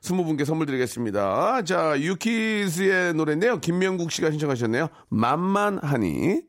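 A man's voice: a little high, very animated. A man in his forties hosting a radio show, joking and teasing his co-host and callers. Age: 40s. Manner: joking, fast, warm-hearted teasing.

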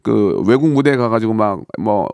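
A man's voice: fairly low pitch, lively intonation, moderate pace, gravelly, a little mellow, clear, resonant tone, no room sound. A middle-aged man hosting a radio talk show, chatting playfully in a repetitive, joking way and reading out listeners' messages. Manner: chatty, playful, repetitive, slips into mock voices and sung bits. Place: radio studio. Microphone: studio microphone.

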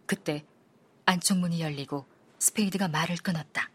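A woman narrating an audiobook in a calm, even storytelling manner. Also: fairly low pitch, normal speed, background noise.

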